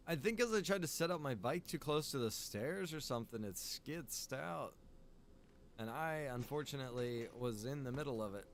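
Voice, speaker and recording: A man's voice: mid-range voice, moderate pace. A man giving casual livestream game commentary, with mild exclamations and joking asides to his viewers. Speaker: livestream gamer. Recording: clear background noise.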